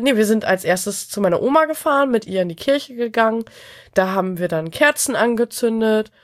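A woman's voice: mid-range voice, dry recording, clean studio sound. A woman with a cold, chatting casually on a podcast, rambling and laughing often. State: has a cold. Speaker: podcast guest. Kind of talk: casual chat.

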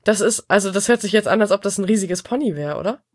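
A woman's voice: medium pitch, expressive, quick pace, dry recording, studio quality. A woman with a cold, chatting casually on a podcast, rambling and laughing often. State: has a cold. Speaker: podcast guest. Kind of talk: casual chat.

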